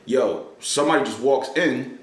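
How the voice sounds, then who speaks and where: A man telling stories in casual chat, animated and swearing, acting out quotes loudly. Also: medium pitch, normal speed, a little hiss or hum. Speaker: podcast guest. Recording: roomy studio echo.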